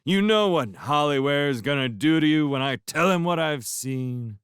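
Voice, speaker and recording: Drunk fisherman guy, a man putting him on, high and shouty, big theatrical scolding, slurry and slow. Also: lively intonation, smooth, dry recording, studio quality. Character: loud drunk soaked fisherman, mock-scolding.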